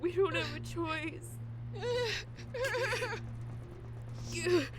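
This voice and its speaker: A very high, slow, tearful female reaper, acted by a woman, badly wounded yet wry and devoted. She strains and stammers through pain in audio drama style, with a busy din behind her. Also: little pitch movement, a crowd in the background. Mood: anguished, apologetic. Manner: tearful, halting, strained speech with stammered repeats. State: crying, in pain.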